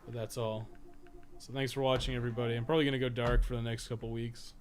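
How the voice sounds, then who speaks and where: A man's voice: medium pitch, flat delivery, fast. A man giving casual, rambling livestream game commentary, thinking aloud with some swearing and self-deprecation. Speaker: video game streamer and podcast co-host.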